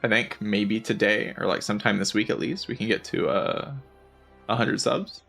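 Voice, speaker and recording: A man with a lowish voice full of crackly vocal fry chats casually as he streams a game. His delivery is low in energy and hesitant, and the voice sounds strained from a lingering cough. Faint music plays behind him. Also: moderate pace, fairly bright tone. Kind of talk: casual livestream chat while playing a game.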